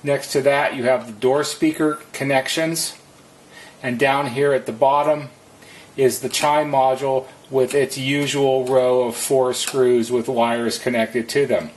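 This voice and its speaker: Slow-paced man with slightly husky voice. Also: mid-range voice, level tone, poor audio. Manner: deliberate, methodical, step-by-step. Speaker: repair technician giving instructions. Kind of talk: instructional how-to narration.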